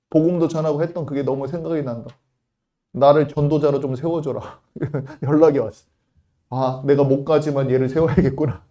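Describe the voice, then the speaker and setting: Korean pastor with a warm, mellow voice. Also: male voice, fairly high pitch. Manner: emphatic preaching, swings between loud acted quotes and quiet asides. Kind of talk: sermon.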